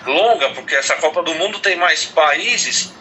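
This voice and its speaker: Brazilian male sports commentator, high and piercing, matter-of-fact over a call. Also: lively intonation, normal speed, bright, forceful tone, a little hiss or hum. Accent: Brazilian Portuguese. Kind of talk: casual sports chat.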